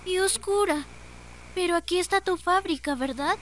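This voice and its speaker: Woman voicing a high-voiced timid young boy. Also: normal speed, fairly bright tone, a little hiss or hum. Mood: uneasy. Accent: Latin American Spanish. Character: timid, hesitant young boy, sad and wary. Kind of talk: animated horror short dub.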